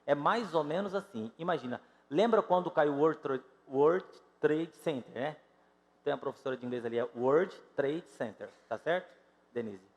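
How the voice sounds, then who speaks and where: A Brazilian pastor in his fifties delivers a sermon in a church sanctuary, his slightly high voice carrying a Brazilian Portuguese accent and the long reverb of the hall. Expressive and emphatic at a normal pace, he calls out directly to the congregation, then drops sharply to near-murmurs.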